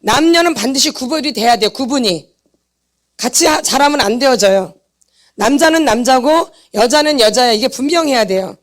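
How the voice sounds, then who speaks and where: A woman's voice: sits high, lively intonation, moderate pace. A woman teaching a church healing seminar, driving her points home and quizzing the congregation for answers. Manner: emphatic, repeats points and quizzes the audience for answers. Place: church meeting hall.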